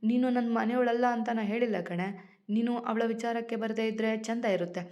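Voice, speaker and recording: A woman's voice: a little high, steady tone, normal speed, darkish tone, natural voice. A woman voicing a loving, emotional young husband who pleads through tears. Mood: pleading, tearful. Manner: pleading, tearful tenderness.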